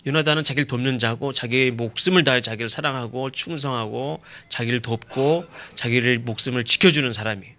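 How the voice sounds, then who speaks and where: A man's voice: mid-range voice, fairly quick, hardly any pauses, pushed and bright. A male pastor giving an expository sermon who keeps asking the congregation rhetorical questions and often uses fillers like "uh" and "yes".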